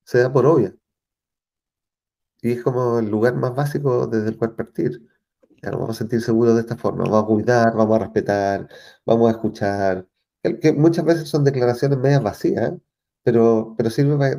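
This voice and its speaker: A man from Chile with a Chilean accent, talking as an interview guest in a thoughtful way, often pausing and restarting as he searches for words. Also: medium pitch, vocal fry, warm tone. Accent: Chilean Spanish. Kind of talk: reflective conversational interview.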